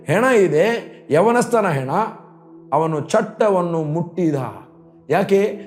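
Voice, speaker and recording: A man's voice: sits high, darkish tone. A man preaching a sermon as a pastor, telling a story and acting out quoted pleas.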